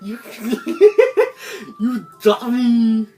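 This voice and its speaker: Woman acting prickly schoolgirl, raised pitch, loud, defensive, flustered, visual novel dub, background music. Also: sing-song, full character voice. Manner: loud, defensive, stammering, drawn-out words. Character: proud, prickly, easily flustered schoolgirl baker.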